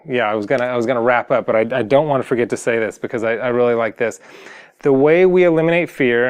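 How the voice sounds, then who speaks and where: A man's voice: medium pitch, clean tone. A young man, a singing coach, giving an earnest, rambling motivational talk with many restarts. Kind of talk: casual motivational talk to camera.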